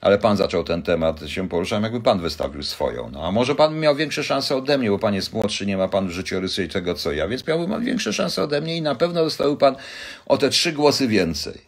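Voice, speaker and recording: A man's voice: on the low side, big pitch swings, fairly quick. An older man hosting a casual live chat, rambling and joking as he answers viewers' questions. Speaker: livestream host answering viewers.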